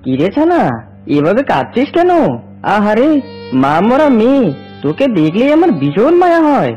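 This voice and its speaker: A sly cartoon fox uncle, voiced by a woman, with a fairly high, very animated delivery. The character is a scheming predator who plays the caring relative. The sound is slightly dull, with music behind. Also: normal speed. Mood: wheedling, falsely kind. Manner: wheedling sweet talk turning to threats. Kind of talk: children's cartoon voice acting.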